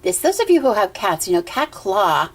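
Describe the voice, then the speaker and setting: A middle-aged woman with a hoarse voice from a cough, talking at home in a casual show-and-tell vlog, gentle and meandering with many ums and pauses. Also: medium pitch, sing-song. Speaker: pagan altar vlogger. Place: indoor room at home with a water feature. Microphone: camera she handles herself.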